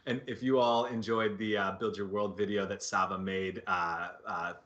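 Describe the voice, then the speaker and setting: A man's voice: fairly low pitch, fairly even intonation, moderate pace, fairly bright tone, highs cut off. A man hosting a livestream show in a casual, conversational style. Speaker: show host.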